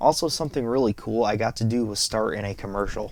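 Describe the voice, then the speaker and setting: Talking at a very fast pace, a man speaks in an American accent. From US Midwest, northeast Ohio. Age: 20s. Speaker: YouTuber, roller coaster enthusiast. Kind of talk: scripted narration.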